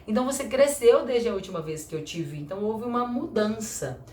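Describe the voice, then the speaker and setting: Woman from teaching a casual lesson, chatty and animated, roomy echo. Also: fairly high pitch. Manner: chatty, lively, acts out little dialogues, slows for example sentences. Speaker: English teacher.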